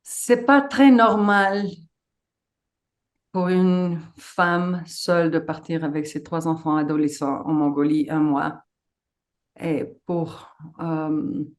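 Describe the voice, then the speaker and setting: A middle-aged woman, a non-native speaker with a foreign accent, giving an informal webinar talk as a guest and haltingly searching for her words. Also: low voice. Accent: foreign accent in French. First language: not French.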